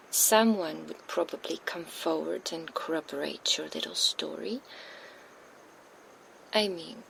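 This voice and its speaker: A cold female vampire, as a woman acts her out, whispers slowly and menacingly right beside a binaural mic. The low, gravelly whisper takes its time with every taunt, and a faint hiss sits beneath it. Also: heavily acted, poor audio. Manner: soft unvoiced whisper, slow and taunting. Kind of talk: ASMR roleplay, whispered. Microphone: binaural microphone.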